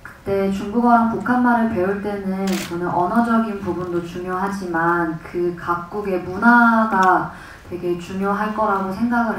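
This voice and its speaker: A woman actress answering questions at a press conference in a thoughtful, measured way. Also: lowish voice, a little hiss or hum. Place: large cinema hall. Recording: echoey hall from far off.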